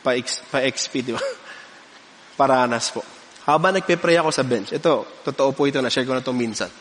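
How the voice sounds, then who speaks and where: A man, preaching a sermon and telling a personal story in an animated way, often laughing between lines. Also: medium pitch, moderate pace, in a large hall, a little hiss or hum.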